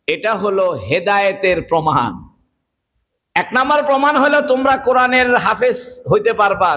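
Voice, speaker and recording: A man with a notably high voice delivers a sermon. He explains his points earnestly, step by step, and pauses for rhetorical questions to the congregation. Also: a bit bright. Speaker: Islamic preacher.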